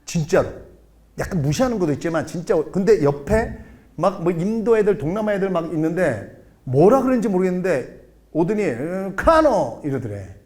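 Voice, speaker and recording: Animated male lecturer, lively pitch. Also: brisk. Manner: animated, jokey, acts out quotes and accents. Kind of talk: lively lifelong-learning lecture.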